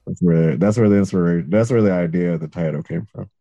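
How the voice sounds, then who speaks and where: A man's voice: deep voice, fast, mellow, no echo, dull audio. A man in his late thirties, a comedian guest, talking loosely and joking, with casual swearing. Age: 30s. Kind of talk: casual interview chat.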